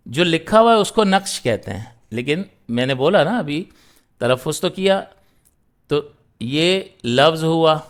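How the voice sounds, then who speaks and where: A man's voice: a little high, smooth. A man teaching a grammar class, explaining step by step and answering his own questions. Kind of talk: grammar lesson.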